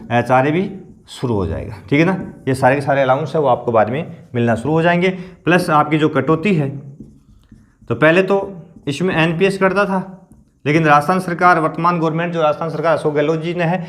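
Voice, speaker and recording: A male coaching teacher with a sore throat, clearing his throat as he explains a lesson slowly and repeats the figures. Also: a little high. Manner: explains slowly, repeats figures, keeps asking "theek hai na".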